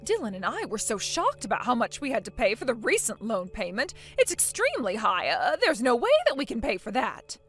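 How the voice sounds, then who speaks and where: A woman playing a loud, bossy mother-in-law. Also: on the high side, big pitch swings, brisk, hardly any pauses, faint music behind. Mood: shocked. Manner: indignant, demanding, scolding. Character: domineering middle-aged mother-in-law, bossy. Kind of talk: acted family drama.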